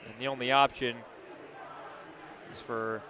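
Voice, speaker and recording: A man's voice: mid-range voice, level tone, unhurried, crowd noise. An American man giving live basketball analysis as a color commentator.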